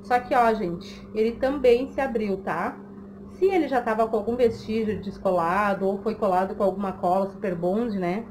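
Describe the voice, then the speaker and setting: Giving tips in a casual chat to camera, a woman vlogger speaks conversationally and frequently checks in with the listener. She sounds mid-range and a little mellow at normal speed, recorded indoors in a small room at home with clear noise.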